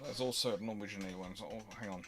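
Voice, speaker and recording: A man's voice: fairly low pitch, fast, a bit bright. A man hosting an unscripted question-and-answer talk, speaking discursively and working through his thoughts aloud. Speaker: host answering audience questions.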